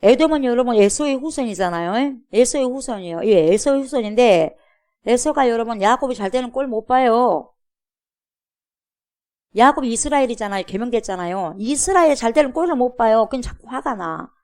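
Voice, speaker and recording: A woman's voice: fairly high pitch, lively intonation, a little fast, a little mellow. A woman pastor giving a sermon at a church, preaching emphatically and asking the congregation repeated rhetorical questions.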